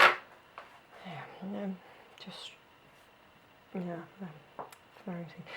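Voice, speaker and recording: Mumbling at a very slow pace with long, frequent pauses, a woman is heard amid audible room echo and noticeable background noise. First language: not English. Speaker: doll maker. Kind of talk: casual demonstration. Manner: halting.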